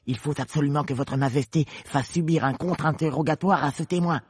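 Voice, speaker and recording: A man voicing a nervous little male white rabbit with a small high piping voice, urgent and fussy, in a storybook reading. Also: fairly quick, a little mellow, slightly rough, big-room sound.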